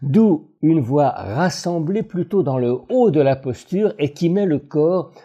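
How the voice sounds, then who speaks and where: A man, a voice coach, reads a scripted voice-over analysis in a measured, analytical way. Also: fairly high pitch, lo-fi sound. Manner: measured, analytical, expressive phrasing.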